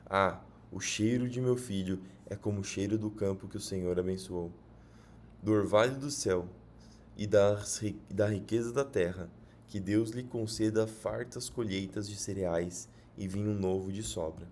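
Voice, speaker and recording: A man's voice: lowish voice, normal speed, a little mellow, slight background noise, natural voice. A man reading the lines of an aged blind father giving a solemn blessing.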